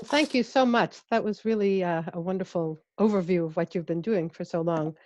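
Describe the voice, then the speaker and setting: A woman's voice: fairly low pitch, brisk, a little mellow, no echo. Middle-aged woman host, friendly, reads questions, dry and slightly dull headset sound. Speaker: webinar moderator. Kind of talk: hosting a Q&A. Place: home office, indoors. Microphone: headset mic on video call.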